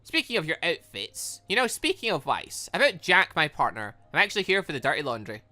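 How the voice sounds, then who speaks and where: Male gaming host, bright forceful voice, lively swings in pitch, close dry sound with faint music underneath. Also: brisk. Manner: excitable, animated, thinking aloud. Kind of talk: let's play commentary, reading game dialogue aloud.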